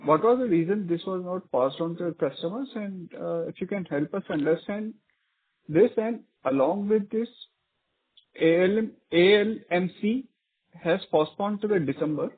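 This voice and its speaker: A man's voice: on the high side, slightly rough. A man with an Indian accent asking business questions as an analyst, hesitant and rephrasing as he goes. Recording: muffled, narrow phone line.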